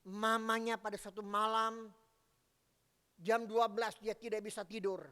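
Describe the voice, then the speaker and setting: Male pastor, emphatic sermon delivery, bright tone, reverberant church hall. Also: high voice, little pitch movement, unhurried, clear, resonant tone. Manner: emphatic preaching, storytelling.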